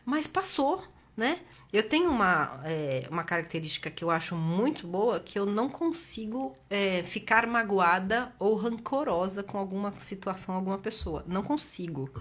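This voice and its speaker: A woman's voice: medium pitch, normal speed, few pauses. Brazilian lady in her middle years, chatty interview guest, acts out the dialogue in her stories. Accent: Brazilian Portuguese. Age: middle-aged. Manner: expressive storyteller, acts out quoted dialogue. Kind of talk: casual interview chat.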